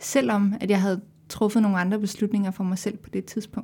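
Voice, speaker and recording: A woman's dark, mellow voice, somewhat breathy and flat in intonation, is captured on a very clean recording with a silent background. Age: 20s. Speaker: documentary participant. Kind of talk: interview.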